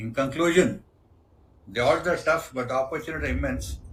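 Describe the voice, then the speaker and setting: A man speaks with vocal fry and ordinary pitch variation. Room echo is audible. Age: 70s. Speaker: shareholder speaking at company meeting. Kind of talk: prepared speech at shareholder meeting. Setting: video conference.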